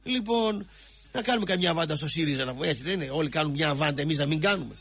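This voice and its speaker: A man's voice: on the high side, animated, fairly bright tone, breathy edge, faint music behind. A middle-aged man, hosting a radio show with a sarcastic, rambling satirical rant. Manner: sarcastic, ranting, mocking voices. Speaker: radio sports show host.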